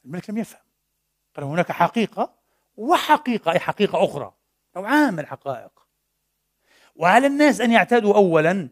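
A middle-aged man preaching a sermon in a mosque, telling a story animatedly and slipping between formal and colloquial speech. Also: sits high. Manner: animated storytelling, mixing classical and colloquial Arabic. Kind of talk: Friday sermon.

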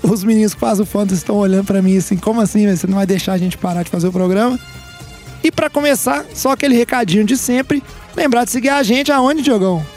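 A man's voice: sits high, fast talker, darkish tone, faint music behind. A man with a Brazilian accent hosting a sports podcast, upbeat and teasing with his co-hosts. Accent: Brazilian Portuguese. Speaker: podcast host. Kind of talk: casual sports podcast chat.

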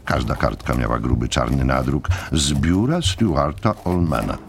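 Bardzo niski, chropawy głos lektora. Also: male voice, extremely low pitch, animated, vocal fry, noisy background. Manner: measured, deliberate phrasing. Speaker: audiobook narrator. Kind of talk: scripted dramatic narration.

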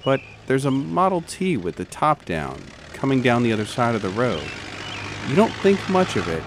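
A man's voice: medium pitch, very animated, normal speed, noisy background. A man narrating a tabletop horror game dramatically in the second person as game master.

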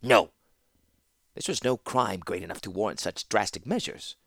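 A man's voice: fairly low pitch, animated, normal speed, gravelly, no room sound, studio quality, full character voice. A man voicing a stern, commanding older male master mage. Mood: cold. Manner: sharp, commanding.

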